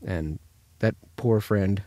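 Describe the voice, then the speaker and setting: A man's voice: lowish voice, slow pace, mellow, dry recording. A man with an American accent, chatting casually as a voice actor giving a tutorial. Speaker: voice actor teaching impressions.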